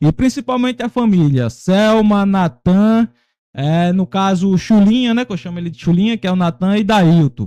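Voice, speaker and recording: The man's voice is high-pitched yet dark and mellow in tone, with a dry, close sound and no echo. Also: ordinary pitch variation, moderate pace. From Northeast Brazil (Fátima, Bahia). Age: 30s. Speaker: podcast guest, sound-car advertiser. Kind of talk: casual interview chat.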